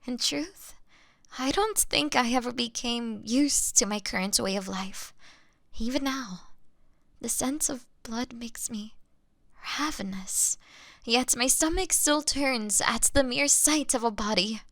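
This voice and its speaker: Woman playing a slow, gentle, remorseful young vampire woman. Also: on the high side, dry recording, studio quality. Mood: sorrowful, haunted. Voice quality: breathy, often dropping to a whisper. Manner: apologetic, gentle, halting, confessional. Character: gentle young female vampire, remorseful, fighting her bloodlust. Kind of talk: scripted dramatic audio roleplay monologue.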